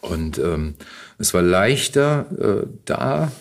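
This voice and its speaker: A man's voice: sits low, very animated, slow, creaky. A man with a German accent speaking as an actor guest in a casual interview, searching for phrases and repeating words as he goes.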